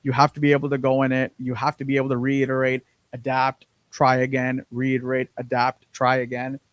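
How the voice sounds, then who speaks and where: A man's voice: mid-range voice, completely flat delivery, a little fast, no room sound. A man co-hosting a business podcast in casual chat, rambling with lots of fillers and repeated words, on a close mic. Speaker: podcast co-host.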